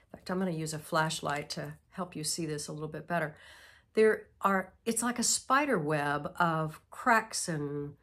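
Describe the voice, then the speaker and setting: A middle-aged woman hosting a vlog, explaining in a gentle, measured way, sounding nasal from a cold. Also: lowish voice. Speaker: vlog host. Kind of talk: casual instructional vlog. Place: antique mall, indoors.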